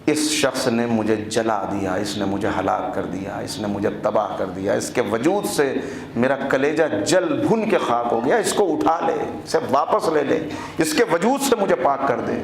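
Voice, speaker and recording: A man voicing the earth as it pleads to God in anguish, dropping to a hush and then a whisper. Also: medium pitch, animated, creaky, pitched below the performer's own voice. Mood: anguished pleading. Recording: roomy hall.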